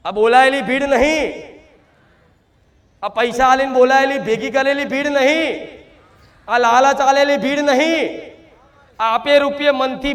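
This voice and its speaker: A man, speaking loudly as a spirit medium in a trance sermon to devotees, full of repetition and rhetorical questions. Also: very high voice. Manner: loud, shouting, declamatory.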